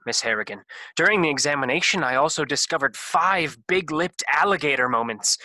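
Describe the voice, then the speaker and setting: A man acting as a self-important doctor in a comedy sketch, very bright and forceful, recorded close and dry. He fumbles, then turns grave and bossy with melodramatic weight. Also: on the high side, no echo, heavily acted, low-quality recording. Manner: hesitant stammer turning to bossy, melodramatic gravity. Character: flustered, self-important male doctor who operates on scripts. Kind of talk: comedy sketch staged reading.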